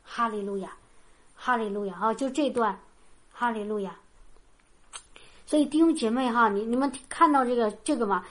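A woman preaching an informal sermon, explaining a Bible passage in a loose, repetitive way and often ending phrases with a soft tag. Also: on the high side, moderate pace, long pauses. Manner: loose and repetitive, with frequent restarts. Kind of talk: conversational sermon with Bible reading.

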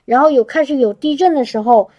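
A woman preaching a sermon in an animated, exclamatory way, often repeating words and laughing between phrases. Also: high voice, fairly quick, dull audio.

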